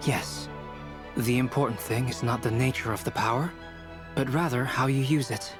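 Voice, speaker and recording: Man playing a calm, formal game advisor, mid pitch, music clear behind. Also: natural voice. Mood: measured. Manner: measured, formal.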